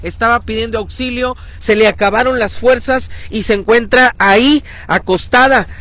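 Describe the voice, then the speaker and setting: Man, high-pitched voice, live field report, outdoors by a river, urgent tone. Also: no room sound. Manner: urgent, calls out loudly across the river. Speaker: local news reporter.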